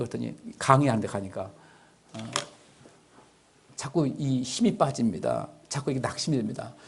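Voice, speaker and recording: A man preaching a Sunday sermon as pastor, acting out quoted voices and swinging from loud outbursts to hushed asides. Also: on the high side, slightly rough. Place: church sanctuary.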